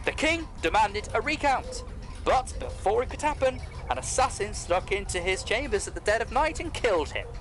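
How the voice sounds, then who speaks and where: Guy doing a high voiced robot clockwork man, polite n formal, audio play w music behind. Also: animated, moderate pace, a bit bright. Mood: matter-of-fact. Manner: formal, explanatory. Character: polite mechanical clockwork man, loyal and strong. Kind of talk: scripted audio drama acting.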